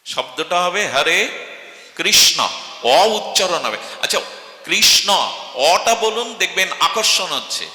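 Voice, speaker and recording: A man's voice: sits high, lively intonation, measured pace, sharp tone. A man from Bengal preaching a devotional sermon, telling stories dramatically and asking rhetorical questions. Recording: echoey hall with long reverb.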